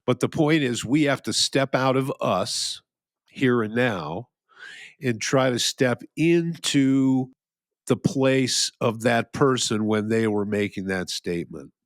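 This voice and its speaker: A man's voice: mid-range voice, slow, no room sound, studio quality. A man co-hosting a podcast in casual philosophical chat, rambling with frequent restarts and chuckles. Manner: rambling, restarts often, laughs at own jokes. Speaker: podcast co-host.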